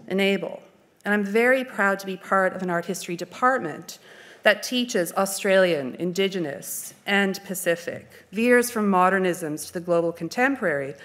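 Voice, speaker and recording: A Canadian woman in her forties gives an earnest, well-spoken lecture on art history. She talks into a lectern mic at an even, middling pitch and chooses her words with care. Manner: measured, articulate, earnest. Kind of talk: formal lecture. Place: dark stage, indoors.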